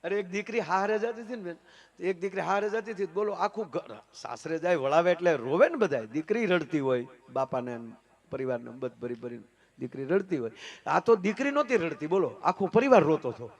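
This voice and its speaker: A man telling folk jokes on stage, swinging from hushed asides to loud, sermon-like declamation. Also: on the high side, expressive, brisk. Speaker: folk comedian and storyteller. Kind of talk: folk humor stage storytelling.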